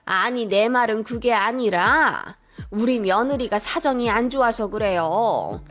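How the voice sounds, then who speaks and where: A woman voicing a scheming older mother-in-law who talks down loudly in a radio story. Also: fairly high pitch, a little slow. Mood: pushy. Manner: loud, wheedling, talks down.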